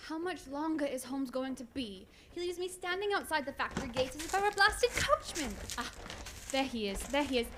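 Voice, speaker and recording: A woman playing a blustering, kindly older gentleman doctor with old-fashioned manners in a radio mystery play. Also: high-pitched, expressive, fairly quick, background noise. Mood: blustering, indignant. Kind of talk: old-time radio mystery theatre acting.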